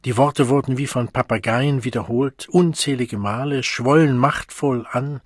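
A man narrating an audiobook in a measured, dramatic way, recorded close on a studio mic. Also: mid-range voice, breathy edge, no room sound.

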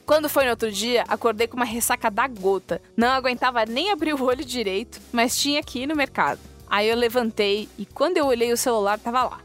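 A woman co-hosting a podcast, reading and acting out a funny listener story in a lively way and often breaking into laughter. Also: fairly high pitch, fairly quick, hardly any pauses, soft background music. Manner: animated, laughs often while telling. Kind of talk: casual storytelling chat.

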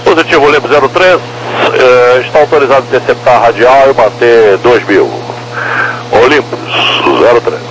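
A man's voice: medium pitch, moderate pace, slight background noise, poor audio. A Brazilian man working as an approach controller, giving matter-of-fact instructions in aviation phraseology over a radio transmission. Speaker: approach air traffic controller. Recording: faintly humming aviation radio.

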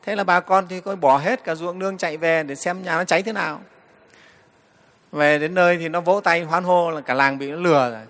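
A man, a Buddhist monk giving a storytelling dharma talk to the assembly, often pausing on "đấy". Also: fairly high pitch, steady tone, a bit bright, big-room sound. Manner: storytelling, frequent "đấy" fillers, addresses the assembly.

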